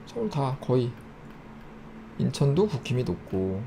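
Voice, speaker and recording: A man hosting his own channel, casually walking through election figures on screen and listing regions in quick clipped phrases. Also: mid-range voice, very animated, vocal fry, warm tone, a little hiss or hum. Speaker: YouTube host. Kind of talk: casual screen-share data walkthrough.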